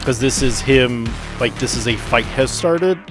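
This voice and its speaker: A man's voice: mid-range voice, measured pace. A man casually coaching others through tabletop game rules, instructive with some dry teasing. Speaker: experienced player coaching the game master. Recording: music playing behind the voice.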